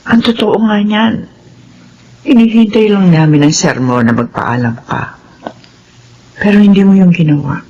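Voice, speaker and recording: An actress playing a wealthy mother who speaks calmly and thanks her family's maid in a TV drama. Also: on the low side, breathy edge, lo-fi sound. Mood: earnest. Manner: calm, measured speech. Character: wealthy employer mother, humble and grateful. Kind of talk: TV drama acting.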